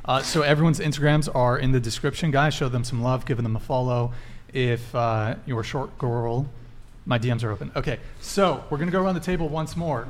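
A man hosting a casual dating podcast, asking direct, teasing questions of his guests. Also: mid-range voice. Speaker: podcast host. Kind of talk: casual panel chat.

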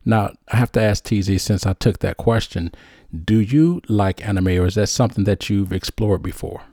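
Upbeat low-voiced male show host. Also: steady tone, moderate pace, warm tone, dry recording, clean studio sound. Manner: upbeat, many restarts and fillers. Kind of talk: casual show chat, reading viewer questions.

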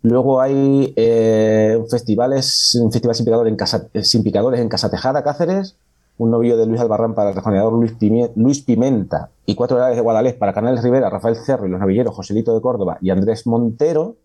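Mellow-voiced man reading out an agenda. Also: medium pitch, quick pace. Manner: lists names steadily with hesitations. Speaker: bullfighting agenda presenter. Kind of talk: reading out an event agenda on a talk show.

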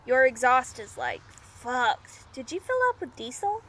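Woman playing high-voiced, wry road-trip companion. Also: expressive, measured pace, fairly bright tone, breathy edge, exaggerated voice. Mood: wry, concerned. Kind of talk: naturalistic audio drama acting.

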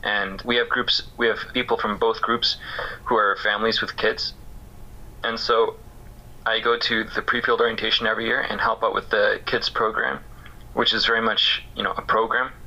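A man shares his story as an interview guest, pausing often and restarting his thoughts. His voice is low-ish yet strikingly bright and forward. He sounds casual and searching rather than polished. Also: flat delivery, highs cut off. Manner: thoughtful, halting, many fillers. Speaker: interview guest, missions care worker. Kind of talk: casual reflective interview talk.

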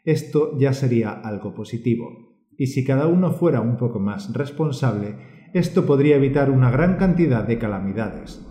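A man co-hosting a language-learning podcast, speaking and reading aloud in a measured, encouraging teacher's way. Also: medium pitch, mellow, echoey room. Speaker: podcast co-host.

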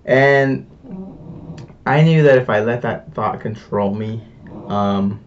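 Young man, casual vlog chat, rambling with fillers, slangy and relaxed, a bit distant from the mic, muffled sound. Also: mid-range voice, slow, a little hiss or hum. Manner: rambling, filler-heavy, laid-back slang. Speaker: vlogger.

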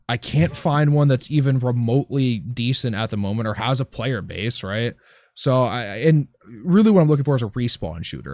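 A man's voice: mid-range voice, darkish tone, dry recording. Grumbling casual man, dry sound. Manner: rambling, grumbling, swears a lot. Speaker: podcast co-host. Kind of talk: casual gaming chat.

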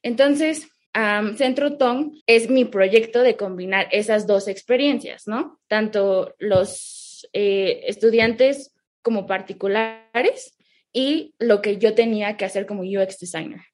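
Casting: woman, Texas-raised, mid-range pitch, conversational interviewee who explains things through little quoted stories. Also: slow. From grew up in McAllen, Texas, United States, with Mexican parents. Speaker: interview guest, online English teacher.

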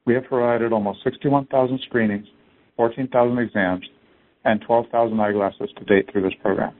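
A man's voice: mid-range voice, steady tone, moderate pace, a little hiss or hum. A man reading a scripted business presentation as a company executive on an earnings conference call. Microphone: conference call phone line. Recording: narrow tinny phone-line audio.

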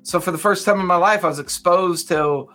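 This podcast co-host, a man in his fifties from Southern California, talks casually and reflectively, rambling with lots of fillers. He has a high voice with a sharp tone and a brisk pace, and faint music plays behind him.

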